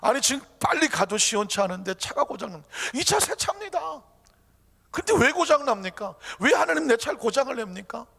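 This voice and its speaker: Brief: pastor doing aggrieved complaining man, high and strained, long church reverb. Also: quick pace, hardly any pauses, bright, forceful tone, heavily acted. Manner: indignant, whiny protesting. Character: frustrated Christian man complaining to God.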